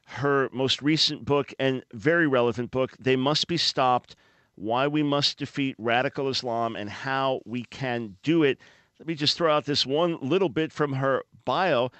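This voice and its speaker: A man hosting a radio interview, asking questions in a friendly, measured way. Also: mid-range voice, fairly bright tone, no room sound. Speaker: radio host.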